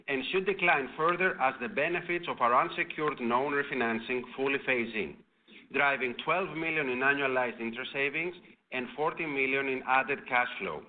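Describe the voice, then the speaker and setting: Male finance executive for an earnings call: formal, measured scripted delivery, medium pitch, tinny phone-line audio. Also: slight background noise. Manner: formal, measured reading of figures.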